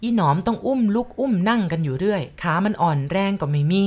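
A woman reading out a fussy, talkative old village grandmother who exclaims loudly when startled. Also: medium pitch, expressive, fast talker, lightly acted. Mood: chatty.

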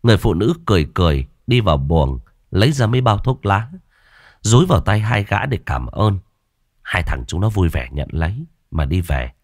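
Deep-voiced storyteller. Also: male voice, moderate pace, no echo, studio quality. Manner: lively, expressive storytelling. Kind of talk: horror story narration.

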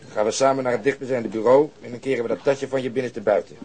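An actor playing a composed, persistent police detective in a radio crime drama, polite, firm and matter-of-fact. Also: male voice, medium pitch, steady tone, fast, darkish tone, breathy edge, natural voice. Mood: calm, firm.

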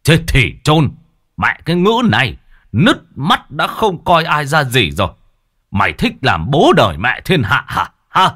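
A man voicing a hot-tempered middle-aged father, barking gruff shouts. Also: medium pitch, wildly swooping pitch, fast talker, dry recording, studio quality, voice pushed up, exaggerated voice. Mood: raging.

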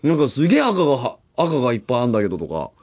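A man in his forties, a radio host, talking in rambling casual chat with animated acted-out asides, in a studio. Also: mid-range voice, racing. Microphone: studio microphone.

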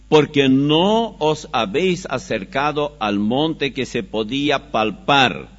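Male preacher teaching a Bible study, unhurried and emphatic, dull lo-fi sound. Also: medium pitch. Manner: slow, emphatic scripture reading with animated rises. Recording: dull lo-fi recording.

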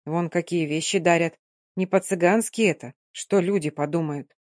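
A woman reading a novel aloud, voicing an old Gypsy grandmother who speaks softly and carefully. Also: low-pitched, normal speed, slightly rough, dry recording, studio quality. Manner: soft, careful.

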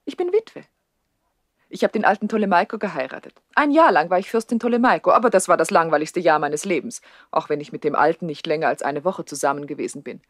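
An actress playing a haughty, coquettish young widowed princess in a 1960s German radio play, imperious and teasing in a theatrical way. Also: female voice, on the low side, lively intonation, quick pace, no echo, clean studio sound. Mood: haughty, flippant.

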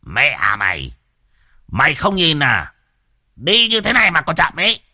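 A man's voice: on the high side, wildly swooping pitch, a little slow, pushed and bright, no echo, studio quality, voice pushed up, full character voice. A man voicing a crude, boastful old male driver, coarse and bossy. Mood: mocking.

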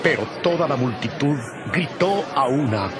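A man reading scripted Bible narration in a formal, measured, solemn manner. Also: medium pitch, animated, loud music behind the voice, over a noisy crowd.

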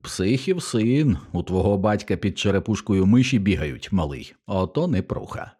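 Brief: spiteful fat older man, as a male reader puts him on, yelling and jeering. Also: on the low side, expressive, normal speed, husky. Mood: sneering rage. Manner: coarse, sneering, yelling.

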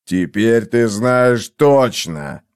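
A man voicing a sullen, menacing scarred brute who growls slowly. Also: mid-range voice, lively intonation, a little mellow, clear, resonant tone. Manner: growling, slow and threatening.

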